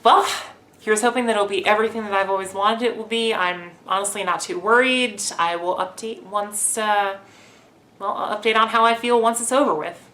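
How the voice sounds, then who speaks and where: A woman's voice: mid-range voice, normal speed. Young woman vlogger, candid and chatty, mid-range voice, home camera mic. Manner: candid, chatty, excited with nervous laughs. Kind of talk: personal video diary.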